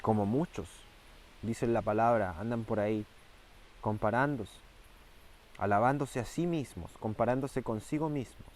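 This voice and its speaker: A man preaching a fervent sermon, repeating key phrases and slowing down and rising for emphasis. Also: on the low side, darkish tone.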